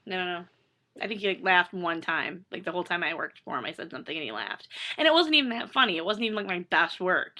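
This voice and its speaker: Chatty hoarse woman in her thirties, bright tone, casual rambling asides. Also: fairly low pitch. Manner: self-deprecating, chatty, lots of fillers and restarts. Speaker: author reading her book.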